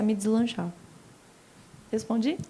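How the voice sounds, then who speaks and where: Moderate pace and fairly even intonation. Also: woman. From Minas Gerais, Belo Horizonte. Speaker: customer success professional, lecture speaker. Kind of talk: audience Q&A answer.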